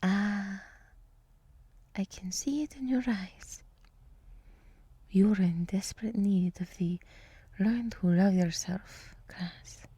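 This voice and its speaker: Woman as soothing deer girl, ASMR whisper, breathy, slow, tender meditation-guide manner, close-miked. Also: mid-range voice, no echo, exaggerated voice. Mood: earnest, tender. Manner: slow, soft, breathy, reassuring. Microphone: close microphone, dry.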